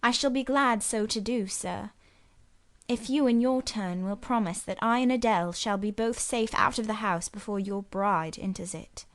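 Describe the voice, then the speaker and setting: A woman's voice: medium pitch, moderate pace, lightly acted. A woman voicing a polite firm young governess. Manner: restrained, polite, quietly firm.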